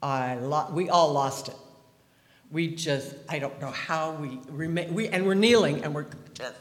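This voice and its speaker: Man around 70, a bit high voice, rambling humorous testimony, long reverb of a big hall. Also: unhurried. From Pacific Northwest, USA. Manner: chatty, humorous, wandering with restarts. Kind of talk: personal testimony, storytelling.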